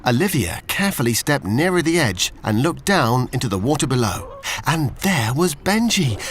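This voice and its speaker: A man with a British accent reading a scripted children's story, expressively, as a storyteller to young children. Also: high-pitched.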